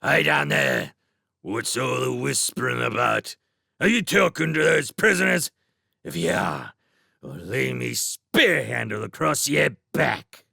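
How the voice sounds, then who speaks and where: A man's voice: mid-range voice, sing-song, unhurried, sharp tone, no echo, clean studio sound, full character voice. A man voicing two surly male rat guards in an audiobook, with coarse, blustering talk. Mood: suspicious. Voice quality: gravelly, rough-edged. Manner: blustering, threatening, coarse slang. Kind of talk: audiobook character voice.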